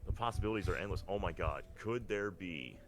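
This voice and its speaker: A man's voice: sits low, expressive, brisk. A man co-hosting a podcast in casual fan chat, rambling and enthusiastic. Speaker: podcast co-host. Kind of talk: casual fan chat about games and cartoons.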